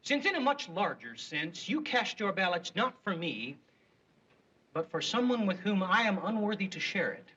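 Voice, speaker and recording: A man's voice: high-pitched, sing-song, normal speed, bright, forceful tone, slightly rough, highs cut off, full character voice. An actor playing a humble male priest who speaks formally and with self-effacement. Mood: solemn.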